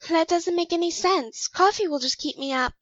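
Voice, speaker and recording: A woman's voice: very high voice, moderate pace, a bit bright, lo-fi sound. A woman playing a curt, impatient clone of a young woman in an audio drama, defiant and threatening.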